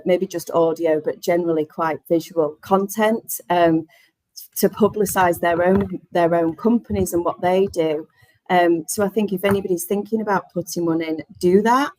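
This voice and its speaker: A woman on a webinar panel giving unscripted workspace advice, rephrasing as she goes in a halting way. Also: lowish voice, darkish tone, no room sound, rough recording. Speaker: panelist running a flexible workspace.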